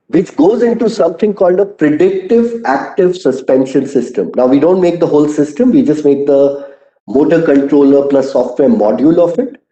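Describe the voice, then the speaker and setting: A man with an Indian accent giving a prepared earnings call presentation as a company executive, measured and articulate, with deliberate emphasis. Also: on the high side, warm tone. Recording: muffled, echoey conference call audio.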